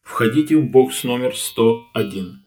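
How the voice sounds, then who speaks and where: A man doing a flat, literal-minded computer voice. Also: medium pitch, natural voice. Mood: formal. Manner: flat, measured, formal. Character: polite, literal-minded artificial intelligence.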